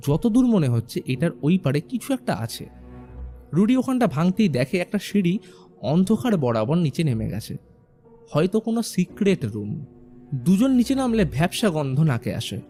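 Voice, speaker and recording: A man narrating a horror film recap in a hushed, suspenseful storytelling manner. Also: high voice. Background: faint background music.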